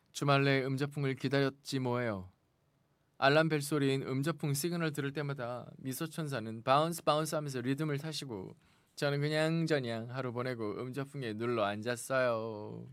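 A man's voice: mid-range voice, dry recording. A man hosting a radio show in a casual, friendly way, reading listener messages aloud and chatting back to them. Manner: chatty, friendly replies to listeners with light laughs. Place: radio studio.

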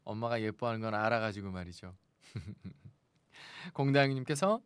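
A man's voice: on the low side, normal speed, clean tone, dry recording. A man hosting a radio show in a casual, friendly way, reading listener messages aloud and chatting back to them. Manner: chatty, friendly replies to listeners with light laughs. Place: radio studio.

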